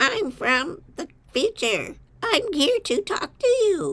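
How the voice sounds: A put-on, robotic character voice at an extremely high pitch, with very wide pitch swings and a fairly slow pace.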